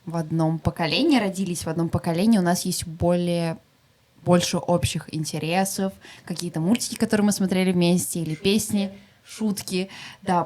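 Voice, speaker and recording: A woman's voice: lowish voice, darkish tone. A nineteen-year-old woman as a podcast guest, speaking hesitantly with many fillers. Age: young adult. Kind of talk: casual group podcast chat.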